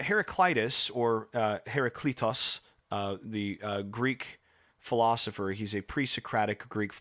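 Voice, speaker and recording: A man's voice: mid-range voice, no room sound, clean studio sound. A man discussing a book on a podcast, thinking aloud with frequent fillers and restarts. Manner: thoughtful, many fillers and restarts. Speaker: podcast guest.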